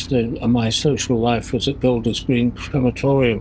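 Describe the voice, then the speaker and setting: Fairly slow speech from a man, medium in pitch, over noticeable background noise. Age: 80s+. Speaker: retired GP, interview guest. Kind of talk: interview answer. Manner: reflective, measured.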